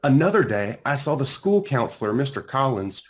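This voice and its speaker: A man reading his own children's book aloud in an expressive storytelling style, with dramatic pauses and drawn-out phrases. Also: medium pitch. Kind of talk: animated children's read-aloud narration.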